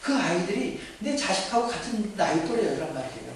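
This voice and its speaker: A man's voice: sits high, big pitch swings, brisk, slight background noise. A male pastor preaching a conversational sermon, drawing the congregation in with questions and acted-out quotes. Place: church sanctuary. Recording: echoey church hall, mic far off.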